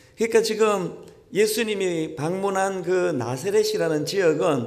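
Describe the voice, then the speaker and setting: There is audible room echo around a man speaking in a high voice. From South Korea, Daegu (Gyeongsang). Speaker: pastor. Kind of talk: sermon.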